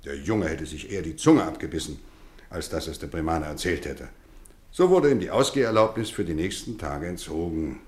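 An actor playing a kindly, playfully stern middle-aged housemaster in a German radio play, measured and theatrical. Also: male voice, low-pitched, expressive, echoey room. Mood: wistful, reflective. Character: kindly, playfully stern boarding school housemaster, grown man.

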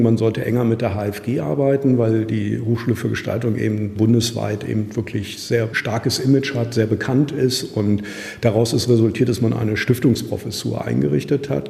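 A man's voice: mid-range voice, gravelly, dark tone. A male professor answering an interview question, hesitant with many fillers. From moved here from Berlin. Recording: roomy with long reverb.

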